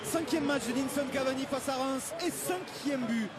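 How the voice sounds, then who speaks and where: An excited man does football play-by-play in a very high-pitched voice. His sports commentary is emphatic, with goal calls stretched out. Loud stadium noise fills the background. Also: normal speed. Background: loud stadium ambience.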